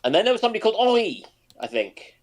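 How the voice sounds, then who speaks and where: On a history live stream, a male panelist chats casually, musing aloud in a hesitant, discursive way. His high voice swings widely in pitch and moves very fast, with crowd noise in the background.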